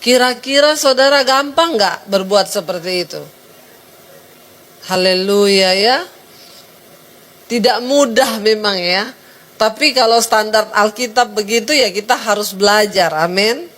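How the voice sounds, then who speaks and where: A woman's voice: mid-range voice, a little slow, long pauses. A middle-aged woman pastor preaching, telling a story and acting out the voices of the people in it. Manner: lively storytelling, acting out quoted voices, singing snatches of a hymn. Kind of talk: sermon.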